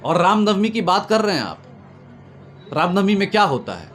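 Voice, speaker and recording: A political commentator from Bengal, India, speaks in a high-pitched, sing-song voice with a fairly bright tone at a moderate pace. Being interviewed, he argues passionately and emphatically, repeating himself and stacking points in oratorical lists. Faint music and noticeable background noise sit behind him.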